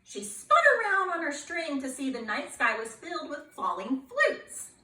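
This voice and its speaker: A high-pitched woman reads a children's picture book aloud at a moderate pace, playful and expressive, asking her young listeners questions. She's far from the mic in an echoey room, with a little hiss or hum.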